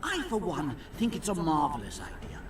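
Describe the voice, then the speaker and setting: Animated, optimistic council noblewoman. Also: sits low, moderate pace. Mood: approving, assured. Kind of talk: scripted fantasy game acting. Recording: roomy, distant game audio under music.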